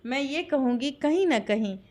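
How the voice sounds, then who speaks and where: A woman's voice: sits high, animated, moderate pace, darkish tone. A woman with a Bihari accent giving impassioned interview testimony, insistent and full of rhetorical questions. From Bihar, India. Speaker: interviewee giving her account of a dispute.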